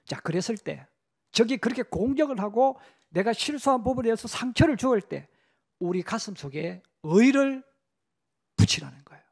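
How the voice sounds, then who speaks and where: A middle-aged Korean pastor preaching in a church, his voice sitting high for a man. He mixes lively storytelling with little acted-out quotes and talks to the congregation like it's a conversation. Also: normal speed, gravelly, husky. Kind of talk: sermon. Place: church sanctuary.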